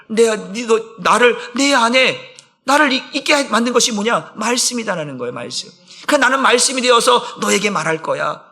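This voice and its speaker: A man, a senior pastor, preaching a sermon, asking the congregation questions and swinging between loud passages and soft ones. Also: very high-pitched. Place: church sanctuary.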